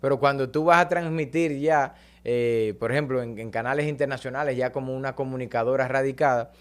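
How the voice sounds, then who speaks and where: A man's voice: mid-range voice, brisk. A man from the Dominican Republic with a strong Dominican accent, hosting a podcast and asking long, winding questions. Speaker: podcast host. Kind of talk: casual interview chat.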